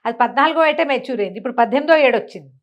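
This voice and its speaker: A woman telling a village tale in a conversational way, animated and chatty with explaining asides. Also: sits high, rapid-fire, dull audio. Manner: animated retelling, acting out characters' remarks, explaining asides to a co-host. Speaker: storyteller. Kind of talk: conversational oral storytelling of a village folk tale.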